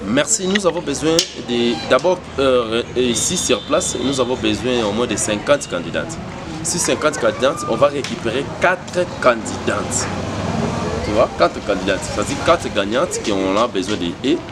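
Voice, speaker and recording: A man's voice: medium pitch, expressive, moderate pace, background noise. A young Congolese man, a pageant organizer, answering interview questions with many fillers and restarts. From Democratic Republic of the Congo. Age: young adult.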